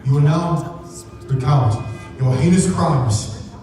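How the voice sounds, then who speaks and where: A man playing a stern courtroom judge, loud, formal and commanding, in a live theatrical performance. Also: a little high, takes it slowly, soft background music. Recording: very echoey hall, far from the mic.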